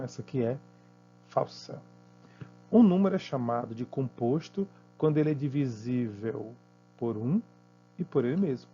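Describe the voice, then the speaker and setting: A Brazilian man explains math exercises in a patient, mellow way and keeps checking in with his students. The sound is dull and lo-fi, with faint music and a low hum underneath. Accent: Brazilian Portuguese. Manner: patient, checks in often with tag questions. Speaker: math teacher.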